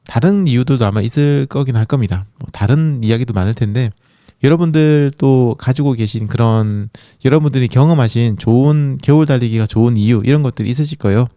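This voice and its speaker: Guy hosting a running podcast, sore throat, warm mellow voice, dry close mic, chatty and encouraging. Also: medium pitch, dry recording. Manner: encouraging, chatty, many fillers. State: sore throat from a coming cold. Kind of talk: casual podcast monologue.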